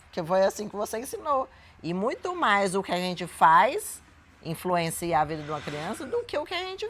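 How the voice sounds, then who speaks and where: A woman with a Brazilian Portuguese accent, co-hosting a Christian couples' talk and earnestly explaining her views on raising children. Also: mid-range voice. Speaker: co-host of a Christian couples' channel. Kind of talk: reflective advice talk.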